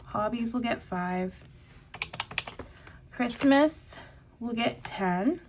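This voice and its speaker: A young woman talks through her weekly budget in a loose, rambling way, pausing on fillers as she decides each amount. Her voice sounds a little congested from a lingering cough. Clear clicks and tapping sit behind her. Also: fairly high pitch, animated, background noise. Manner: chatty, thinks aloud with many fillers. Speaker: budgeting vlogger. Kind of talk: casual voice-over while cash stuffing.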